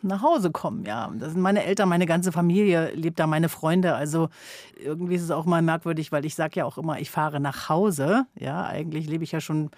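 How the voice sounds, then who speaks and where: A woman's voice: low voice, brisk, darkish tone, dry recording. Woman in her fifties, journalist guest on a radio chat, thoughtful and hesitant, dry close sound. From Sylt, northern Germany. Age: 50s. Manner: reflective, frequent hesitations. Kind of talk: conversational radio interview.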